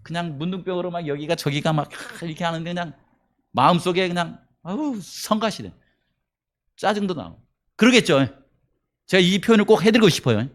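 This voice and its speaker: A male pastor preaching a sermon, telling a story with acted-out quotes and questions put to his congregation, swinging between quiet murmurs and raised emphasis. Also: sits high, fast talker.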